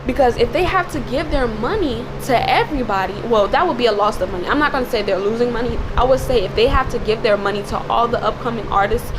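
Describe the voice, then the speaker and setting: A woman with a slightly raspy, cracking voice giving informal, preachy commentary in an emphatic, repetitive way as a video creator. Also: fairly high pitch, noisy background. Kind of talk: informal spoken commentary with religious exhortation.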